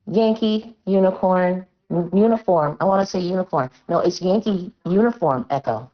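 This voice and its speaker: A woman's voice: lowish voice, normal speed. A woman chatting reflectively over a radio net, her voice muffled as if heard through a wall, with echo behind her. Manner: reflective, poses questions. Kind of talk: casual on-air chat over a two-way radio net. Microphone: phone mic.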